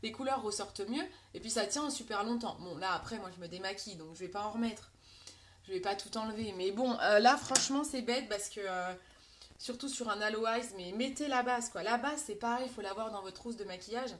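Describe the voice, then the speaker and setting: A woman's voice: mid-range voice, brisk. A woman with a French accent hosting a live makeup tutorial, chatting to her viewers as she works. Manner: chatty, addresses viewers directly, reads out comments.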